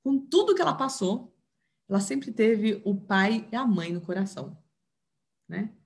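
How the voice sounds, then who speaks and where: A woman's voice: medium pitch, big pitch swings, measured pace, darkish tone. Brazilian woman, family-systems speaker, informal talk that keeps asking the listener to follow along and acts out quoted dialogue. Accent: Brazilian Portuguese. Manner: chatty, tags sentences with questions.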